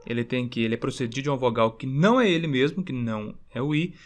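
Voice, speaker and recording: A man teaching grammar rules over slides, slow and deliberate, stressing key words and repeating word endings. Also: medium pitch. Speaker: Portuguese teacher.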